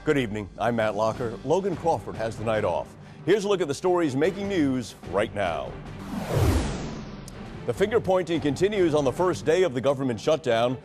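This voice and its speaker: A young adult man anchoring an evening newscast from a studio desk, reading scripted stories in a measured, formal way. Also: medium pitch, sing-song, over music. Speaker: news anchor.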